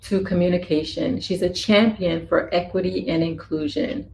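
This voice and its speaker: A woman voicing a signed introduction and interview as interpreter, speaking slowly in measured phrases. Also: on the low side, steady tone, vocal fry, a little mellow, a little hiss or hum. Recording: echoey room with faint ambience.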